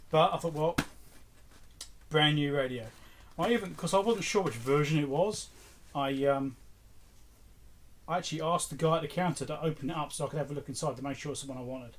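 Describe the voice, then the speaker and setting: A middle-aged man hosting a casual, unscripted show-and-tell in a chatty, rambling way. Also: fairly high pitch. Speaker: electronics repair video host. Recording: clear background noise with clicks.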